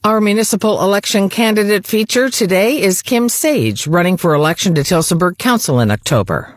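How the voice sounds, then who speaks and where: Lively woman reading local news. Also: mid-range voice, fairly quick, no room sound, studio quality. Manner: crisp, lively newsreader delivery. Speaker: local radio news anchor. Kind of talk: scripted newscast reading. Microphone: studio microphone.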